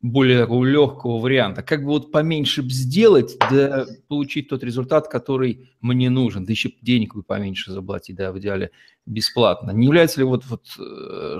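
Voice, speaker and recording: A man's voice: lowish voice, creaky. A man interviewing a guest, asking long thoughtful questions. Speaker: interviewer, host. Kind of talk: interview conversation.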